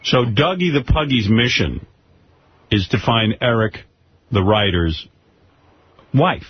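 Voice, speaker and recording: A man's voice: on the low side, big pitch swings, slow, slightly rough. A man hosting a radio show, bantering with callers and probing his guest with questions, often cutting in. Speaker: radio host. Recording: dull lo-fi radio recording with hiss.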